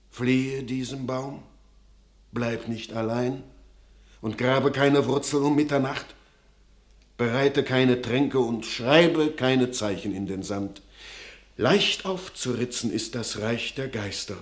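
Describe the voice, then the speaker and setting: A man performs an aging peasant father, pious and anxious, in a classical radio play. He speaks very deliberately at a middling pitch, with solemn declamation and a stern, foreboding temper. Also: lightly acted. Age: older.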